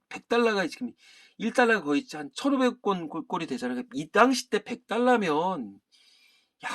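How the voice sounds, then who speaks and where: A man teaching literature who reads through a play and stops to explain it in a loose, conversational way. He keeps firing rhetorical questions at his students. His voice sits a bit high for a man, and his pitch rises and falls a lot. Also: fairly bright tone. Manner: casual, talks straight to students with rhetorical questions. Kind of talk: lesson reading and explaining a play.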